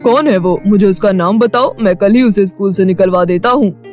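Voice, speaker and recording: An arrogant, powerful cartoon father, voiced by an actor, demanding and bossy. His voice sits mid-pitch. Faint music plays under the dialogue. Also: normal speed, a little mellow, close to an everyday voice. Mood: indulgent.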